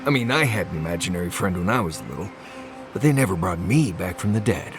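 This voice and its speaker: A grumpy low-voiced game guide. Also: male voice, expressive, fast talker, music in the background. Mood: suspicious. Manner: dry, sardonic, grumbling. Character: grumpy, suspicious male wilderness guide, sardonic and blunt. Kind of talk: naturalistic video game dialogue.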